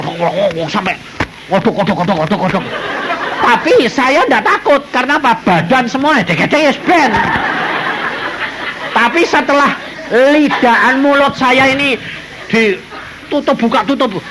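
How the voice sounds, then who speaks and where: Man, evangelist, Javanese accent, high voice, crowd and hall noise. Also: a little slow. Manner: animated storytelling with acted-out quotes and bursts. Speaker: evangelist preacher. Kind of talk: testimony-filled sermon. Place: church hall with congregation.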